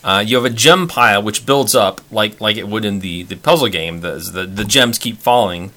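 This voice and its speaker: A man co-hosting a casual board game chat, halting with frequent restarts. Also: on the low side, pushed and bright. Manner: halting, many restarts and fillers. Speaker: podcast co-host.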